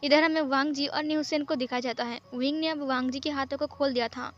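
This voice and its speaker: High-voiced woman retelling a story. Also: fairly quick, muffled recording, soft background music. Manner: plain, steady retelling. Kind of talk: casual fan-fiction story narration.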